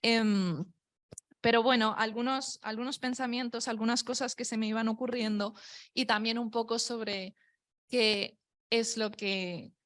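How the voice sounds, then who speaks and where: A woman's voice: fairly high pitch, steady tone, unhurried, fairly bright tone. A woman from Spain, a poet, speaking on a panel. She sounds nervous and hesitant, with many fillers. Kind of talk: unscripted panel talk. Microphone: microphone at a public talk.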